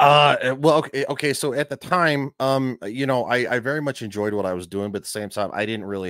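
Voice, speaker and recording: Lively intonation comes through a dry, close sound with no echo. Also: man. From Colorado. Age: 30s. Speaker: army veteran and podcaster. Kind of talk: casual chat. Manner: hesitant, many fillers.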